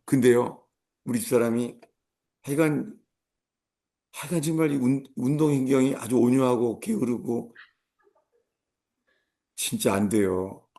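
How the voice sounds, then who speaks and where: Gravelly-voiced man preaching with comic stories. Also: medium pitch. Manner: storytelling with comic asides, acting out shouted commands. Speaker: pastor. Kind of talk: sermon.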